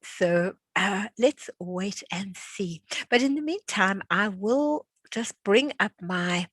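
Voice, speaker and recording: A woman's voice: mid-range voice, animated, slow, no room sound. An older woman at home chatting as the instructor of an online class over a video call, friendly and full of fillers and restarts. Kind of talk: casual chat before an online class.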